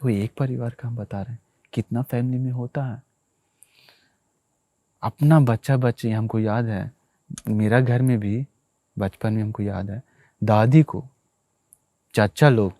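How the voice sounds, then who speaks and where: Low mellow-voiced man giving a sermon. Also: no room sound. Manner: repetitive storytelling, addresses listeners directly. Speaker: Buddhist monk preacher.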